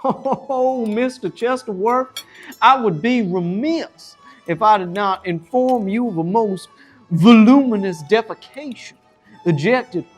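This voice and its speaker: Fancy southern gentleman, high pompous drawl, comedy bit w music behind. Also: takes it slowly. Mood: genteel, pompous. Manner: pompous, florid formality. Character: Southern gentleman, genteel, flowery, oversharing.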